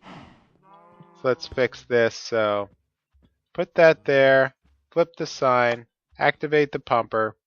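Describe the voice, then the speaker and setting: A man's voice: mid-range voice, slow, pauses often, fairly bright tone, clear, resonant tone, no room sound, lo-fi sound. A man with a stuffy, cold-affected voice, talking methodically through each step of his gameplay. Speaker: Let's Play host. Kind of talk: casual gameplay commentary.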